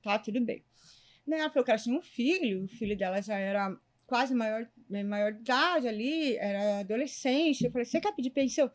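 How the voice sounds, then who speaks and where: A woman lawyer with a Brazilian accent, telling a client's story in a relaxed chat and acting out the dialogue as she goes. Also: a little high, fairly quick. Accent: Brazilian Portuguese. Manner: lively retelling that acts out quoted dialogue. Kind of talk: conversational storytelling.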